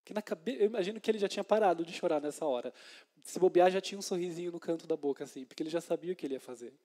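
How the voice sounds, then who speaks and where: Male deacon, mellow and somewhat high, chatty sermon style, keeps asking "right?", acts out scenes. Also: racing. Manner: conversational preaching with frequent tag questions; retells scripture in lively dramatized scenes. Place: church.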